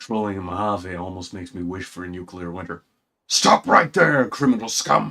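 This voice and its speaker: A man's put-on character voice, very deep and low. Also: moderate pace. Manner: stern, authoritative.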